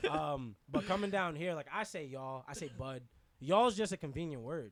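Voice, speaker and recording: A man with an American accent, fairly high-pitched for a man, with lively intonation at a moderate pace. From northern US. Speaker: podcast co-host. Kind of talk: casual chat.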